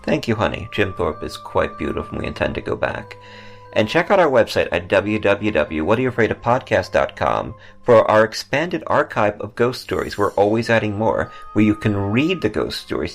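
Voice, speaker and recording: A man's voice: on the low side, big pitch swings, moderate pace, vocal fry. A man hosting a podcast, reading scripted ghost stories and travel notes over music. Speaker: podcast host and author. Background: background music.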